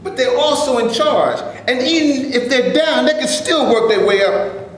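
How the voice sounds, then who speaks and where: An actor in a staged reading playing an earnest, heated Black actor from the 1930s who wants justice. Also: male voice, very high voice, expressive, normal speed. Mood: indignant. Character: Black male actor in the 1930s, indignant and determined. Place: stage before a live audience. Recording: very echoey room, faint noise.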